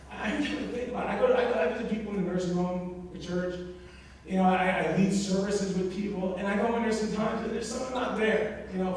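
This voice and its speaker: A fairly high-voiced man gives an energetic, story-driven talk to a room. His voice rings through a large hall with heavy echo, picked up from some distance off the mic. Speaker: motivational speaker. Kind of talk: live presentation to an audience.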